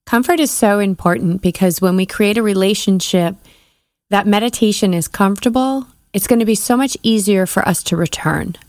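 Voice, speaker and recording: A woman leading a guided breathing meditation as a podcast host and coach, giving measured, soothing instructions with pauses. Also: mid-range voice, a little mellow, no echo, clean studio sound.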